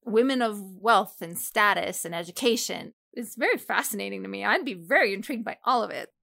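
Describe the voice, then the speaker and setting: A woman co-hosting a casual book discussion, giving analytical, animated opinions. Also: medium pitch, brisk, gravelly, dry recording, studio quality. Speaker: podcast co-host.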